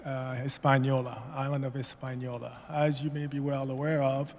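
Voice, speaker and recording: A man from Haiti giving public comment at a meeting, halting and full of fillers and restarts. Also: mid-range voice, little pitch movement, darkish tone. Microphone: podium mic. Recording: long reverb of a meeting hall.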